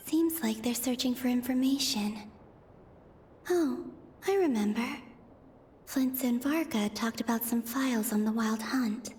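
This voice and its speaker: Woman as a slow, musing young moon goddess. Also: a little high, a little hiss or hum, close to an everyday voice. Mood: pensive. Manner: soft, breathy, musing. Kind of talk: video game voice acting. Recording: long reverb with music behind.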